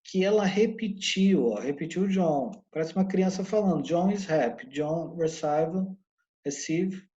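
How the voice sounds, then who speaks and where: A man with a Brazilian Portuguese accent teaching an online English lesson, explaining patiently and sounding out English words slowly. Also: sits high, lively intonation, warm tone, dull audio.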